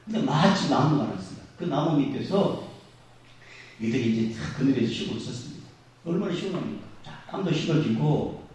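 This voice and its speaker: A middle-aged man preaching a Sunday sermon as senior pastor. He swings between loud exhortation and quiet asides, and acts out the grumbling voices of the people he quotes. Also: fairly high pitch. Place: large church sanctuary. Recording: very echoey sanctuary, voice from far off.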